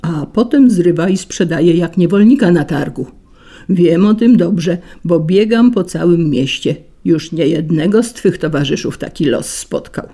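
A woman's voice: lowish voice, measured pace, dark tone, slightly rough. A woman voicing a restless, mocking male breeze in a storybook fable, teasing and scornful in manner.

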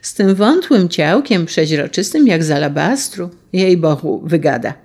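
A woman's voice: lowish voice, lively intonation, moderate pace, darkish tone. A woman voicing mocking male interrogators who taunt a prisoner.

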